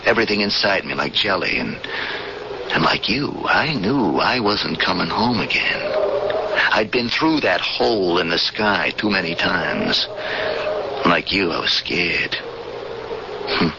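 An actor playing a worried, world-weary spaceport inspector and former pilot in a 1970s radio drama, informal, hesitant and pleading. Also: male voice, deep voice, expressive, a little slow, vocal fry, long pauses, full character voice. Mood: grave, pleading. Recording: muffled, noisy 1970s radio broadcast.

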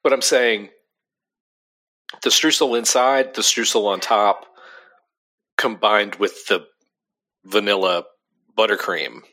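A man's voice: on the low side, slow, long pauses, sharp tone. A young adult man co-hosting a casual podcast chat, talking loosely with lots of fillers and easy laughs. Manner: chatty, laughs easily, frequent "like" fillers. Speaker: podcast co-host.

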